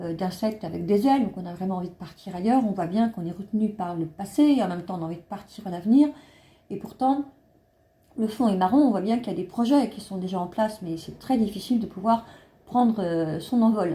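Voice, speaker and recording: Speaking at a fairly quick pace, a woman with a medium-pitched, dark, mellow, somewhat breathy voice makes big swings in loudness. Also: ordinary pitch variation. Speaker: medium / card reader. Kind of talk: tarot-style card reading. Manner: hesitant, many fillers.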